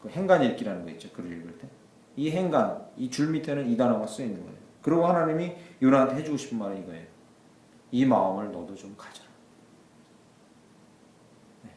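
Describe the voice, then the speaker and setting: Man, pastor, lively sermon, voice rising and falling, acts out characters, reverberant church room. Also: medium pitch, racing. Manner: animated storytelling, acting out voices of biblical characters.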